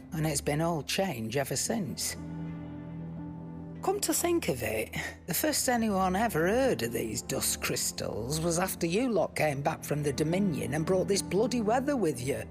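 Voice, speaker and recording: An actress playing a seasoned, wry black-market trader in a video game, with a British accent and a colloquial storytelling manner. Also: female voice, sits low. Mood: musing. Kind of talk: video game cutscene acting.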